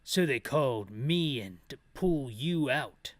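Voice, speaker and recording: A man voicing a blunt, rugged male agent from a video game, with a halting, dramatic delivery. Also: medium pitch, expressive, no room sound. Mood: stern, blunt. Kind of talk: amateur character voice for game dialogue.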